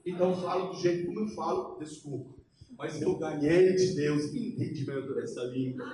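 A man from Poland with a Polish accent preaches an impassioned, emphatic sermon in halting non-native Portuguese. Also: fairly high pitch, mellow. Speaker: missionary preacher. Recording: very echoey hall, distant, faint noise.

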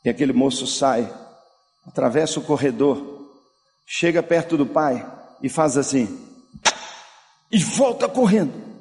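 A male pastor preaching a sermon, swinging from loud, slow declarations down to soft, hushed passages. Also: mid-range voice, lively intonation. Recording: long hall reverb.

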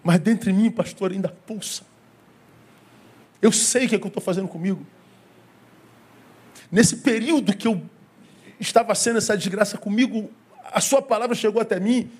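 Preaching a sermon, a Brazilian Portuguese-accented pastor speaks at a moderate pace in a high, slightly rough voice with long pauses. His storytelling leans on acted-out dialogue and repetition of phrases.

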